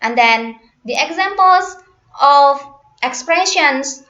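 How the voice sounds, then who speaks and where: Woman teacher with a high voice, goes over things slowly, echoey room, kinda dull lo-fi sound. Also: animated, bright, forceful tone. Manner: slow and deliberate, repeats points. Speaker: English teacher. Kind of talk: classroom explanation.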